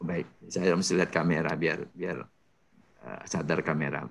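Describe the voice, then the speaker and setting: A man talks at a fairly slow pace with vocal fry. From Indonesia. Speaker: health insurance agency director. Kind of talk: presentation. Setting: video call. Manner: halting. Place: office. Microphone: video call.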